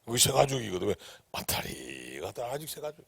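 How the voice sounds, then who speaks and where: A man preaching a sermon as pastor, who swings from loud, emphatic declarations to hushed whispers and keeps asking the congregation questions. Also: medium pitch, sing-song, brisk, vocal fry, breathy edge, dry recording. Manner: asks the congregation rhetorical questions. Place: church sanctuary.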